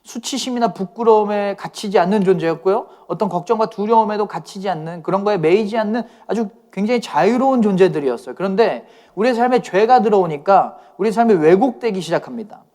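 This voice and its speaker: A man's voice: high-pitched, lively intonation, quick pace, hardly any pauses, warm tone. A man pastor giving a conversational youth sermon, often asking his listeners questions.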